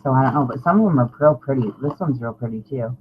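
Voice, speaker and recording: A woman's voice: extremely low pitch, fast. Middle-aged woman chatting, dull lo-fi recording. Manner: informal, self-deprecating, mildly salty. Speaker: craft vlogger. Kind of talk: casual rambling chat to viewers. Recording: dull lo-fi sound, clear background noise.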